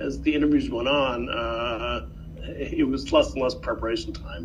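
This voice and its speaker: Room echo can be heard around the voice. It belongs to a man. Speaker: sportswriter and author who stutters. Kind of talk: podcast interview. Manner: halting, many repetitions and fillers.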